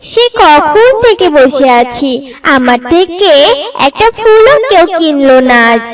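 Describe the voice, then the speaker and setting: A woman's voice: sits high, sing-song, slow, recorded from a distance, exaggerated voice. A woman voicing a poor young songbird, a caring and anxious elder sister in a children's cartoon, earnest and plaintive. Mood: dejected, pleading.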